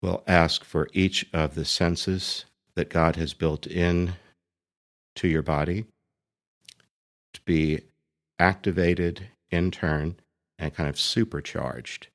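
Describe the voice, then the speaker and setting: Slow, very low-voiced man guiding meditation. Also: steady tone. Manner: gentle, deliberate, with long pauses between short phrases.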